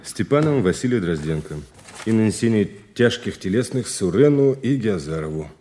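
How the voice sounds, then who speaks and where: A man's voice: lowish voice, animated, normal speed, dark tone, slight background noise, lightly acted. A man playing an urbane, playful new prosecutor in an audio drama, speaking in an ironic, conversational way. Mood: matter-of-fact. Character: urbane, playful male investigator, newly promoted to prosecutor. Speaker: actor in an audio play. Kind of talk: naturalistic audio drama dialogue.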